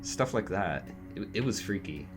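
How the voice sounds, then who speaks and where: A young man playing a shaken, earnest young witness in an audio drama, hesitant, halting and casual. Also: low-pitched, expressive, music in the background. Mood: uneasy recounting. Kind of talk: naturalistic audio drama acting.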